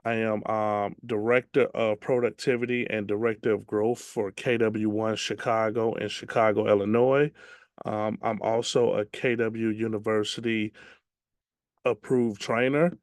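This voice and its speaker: A man teaching an online class as a real estate trainer, his voice slightly raspy from much teaching, chatty and relaxed with many ums. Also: fairly low pitch, unhurried, no room sound, studio quality. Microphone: video call.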